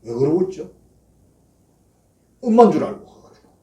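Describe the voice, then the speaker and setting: A man's voice: fairly high pitch, sing-song, normal speed, mellow. A male pastor, preaching a sermon in a folksy storytelling way and acting out quoted prayers in a mocking voice. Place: church sanctuary. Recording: echoey church hall, voice from a distance.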